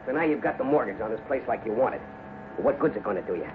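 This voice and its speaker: A man's voice: on the low side, expressive, fast, lightly acted. An actor playing a crook's hesitant henchman in a 1950s radio western, on a scratchy, tinny recording. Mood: questioning, uneasy.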